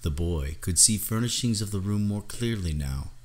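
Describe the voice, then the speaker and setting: Male narrator, deep voice, gothic audiobook, measured, dramatic, scripted reading. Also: animated.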